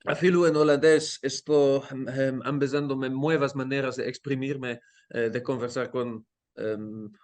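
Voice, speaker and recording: Slow, hesitant man. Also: mid-range voice, steady tone, a little mellow. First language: Dutch. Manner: hesitant, searching for words, many fillers and restarts. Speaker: guest, language teacher. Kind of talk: casual interview conversation. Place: home in Amsterdam.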